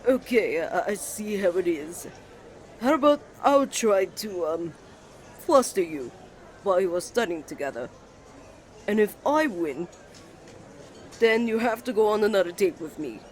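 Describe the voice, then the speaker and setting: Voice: mid-range voice, lively intonation, a little slow, pauses often, natural voice, low-quality recording. A voice actor playing a shy, flustered male college student in love, stammering, earnest and courteous, in a romantic ASMR roleplay. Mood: flustered, bargaining. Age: young adult.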